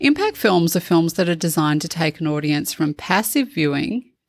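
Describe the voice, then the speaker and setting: Recorded very cleanly against a silent background, a woman with an Australian accent talks at a moderate pace, her fairly low voice carrying lively intonation. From Australia, Melbourne. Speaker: documentary filmmaker and podcast host. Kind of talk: solo tutorial podcast.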